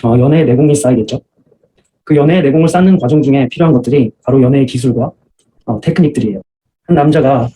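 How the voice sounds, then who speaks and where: Brief: male advice speaker, very dark mellow tone, quick measured explanation with filler sounds. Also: medium pitch, rough recording. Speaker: dating advice host. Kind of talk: advice monologue.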